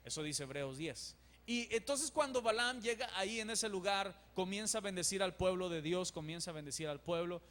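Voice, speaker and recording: High-voiced pastor preaching. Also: male voice, moderate pace. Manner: animated, acts out dialogues. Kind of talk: sermon. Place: church. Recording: long church reverb.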